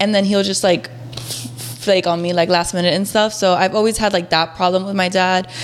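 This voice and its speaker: Noticeable background noise is present. A woman talks at a fairly quick pace. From Miami, Florida (Hialeah). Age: 20s. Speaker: social media influencer. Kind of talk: casual chat.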